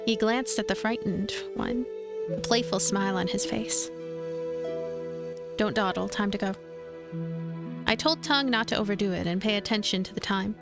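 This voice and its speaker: A woman's voice: mid-range voice, moderate pace, pauses often. Woman streamer narrating over game music. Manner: informal, conversational. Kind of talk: reading game narration aloud, casual commentary.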